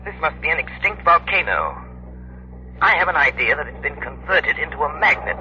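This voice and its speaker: An actor playing a calm, commanding crime-fighting detective in a 1930s radio drama. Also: male voice, fairly high pitch. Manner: authoritative, measured. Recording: hissy muffled 1930s radio broadcast.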